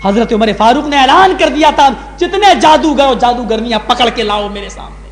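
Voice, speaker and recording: A male Islamic preacher giving a sermon to a gathering, telling stories with passion and rising high on key words. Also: lively intonation. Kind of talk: Urdu sermon with dramatic storytelling. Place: large hall, live gathering. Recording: echoey hall with long reverb.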